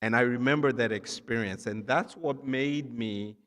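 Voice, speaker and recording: A Nigerian-raised physician assistant gives the keynote at a ceremony, speaking to students from the stage in a mid-pitched voice. His encouragement comes in emphatic phrases separated by brief pauses. The large indoor hall adds a long reverb, and the sound is slightly bright.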